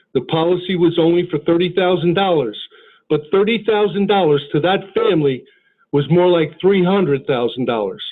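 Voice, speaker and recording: A man giving a motivational sales talk, telling stories earnestly and acting out the dialogue. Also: on the high side. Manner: earnest storytelling, acts out dialogue. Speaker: insurance sales mentor. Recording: tinny phone-like line.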